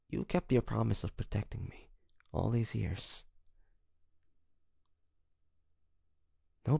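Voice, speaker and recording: A man playing an earnest, tender young demon hunter in love, speaking softly and haltingly in an intimate romantic audio drama. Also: mid-range voice, gravelly, breathy edge, no echo, studio quality, exaggerated voice. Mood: tender, forgiving. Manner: hesitant, halting, soft-spoken with sighs.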